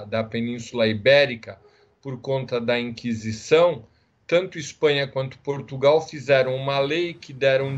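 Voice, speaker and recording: A man in his sixties, from Israel, speaking as a psychiatrist guest in a casual interview, telling his story in a measured, unhurried way. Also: mid-range voice, highs cut off. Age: 60s.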